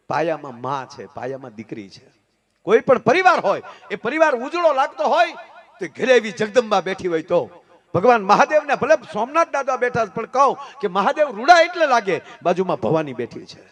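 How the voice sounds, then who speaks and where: A man telling folk jokes on stage, swinging from hushed asides to loud, sermon-like declamation. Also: high voice. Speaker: folk comedian and storyteller. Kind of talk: folk humor stage storytelling.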